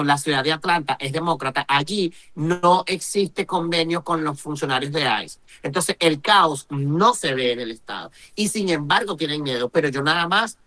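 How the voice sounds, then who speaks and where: Man, interview guest, emphatic, rhetorical questions, bright tense voice. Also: a little high. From Venezuela. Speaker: journalist and human rights activist, interview guest. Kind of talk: impassioned interview answer.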